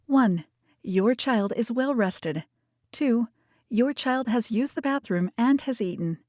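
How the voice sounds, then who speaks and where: A woman reading scripted instructional narration in a measured, clearly enunciated way. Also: fairly high pitch, expressive, darkish tone, no room sound, clean studio sound. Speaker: voice-over narrator for e-learning and training. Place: home studio.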